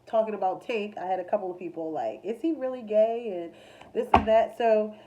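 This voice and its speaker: A woman's voice: mid-range voice, normal speed, muffled recording, noisy background. A congested woman doing a casual, chatty tarot reading with a loose, filler-heavy way of talking. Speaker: tarot reader.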